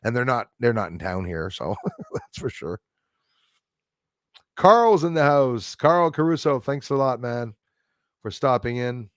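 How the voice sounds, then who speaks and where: Man, forties, Canadian accent, medium pitch, livestream host, casual, rambling, halting delivery, dry recording. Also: sing-song, a bit bright, no echo. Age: 40s. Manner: rambling, halting, greeting viewers by name. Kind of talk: casual live chat, reacting to viewer comments.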